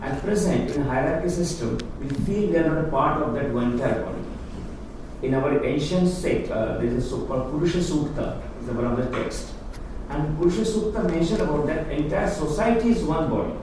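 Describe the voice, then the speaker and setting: Speaking a little fast in a fairly high voice, a man addresses an audience in a lecture room as a guest speaker on Hindu philosophy. His talk is earnest and his phrasing plain and non-native; the recording is noisy and echoey, with him far from the microphone.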